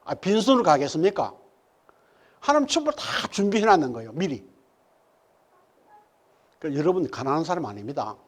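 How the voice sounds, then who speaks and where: This pastor's voice is very animated, with a moderate pace and frequent pauses as he preaches to his congregation in a church sanctuary. He throws rhetorical questions at them, alternating loud, emphatic peaks with softly murmured asides.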